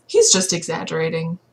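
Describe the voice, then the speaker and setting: A woman co-hosting a game playthrough, chatting casually and reading the game's text aloud into a headset. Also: lowish voice.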